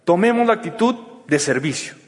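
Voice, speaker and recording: A man with a Mexican accent giving an energetic motivational seminar talk in colloquial slang, acting out little dialogues as he goes. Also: high voice, fairly quick, long reverb tail. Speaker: motivational business speaker.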